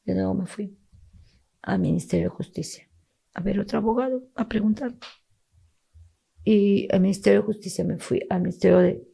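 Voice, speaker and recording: Gravelly, husky middle-aged woman. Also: mid-range voice, normal speed, pauses often, mellow. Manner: emotional, quotes officials in tense voices. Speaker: grieving mother, guest. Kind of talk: emotional testimony.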